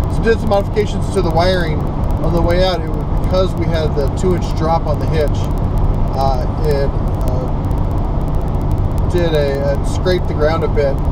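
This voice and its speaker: Amid loud background noise, a man talks at a moderate pace with long, frequent pauses. The sound is dry, with no echo. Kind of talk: casual vlog chat. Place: car. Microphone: camera far.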